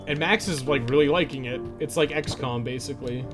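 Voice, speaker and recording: A man livestreams a video game, chatting casually and informally with some swearing over the game music. His voice is medium-pitched and fairly quick.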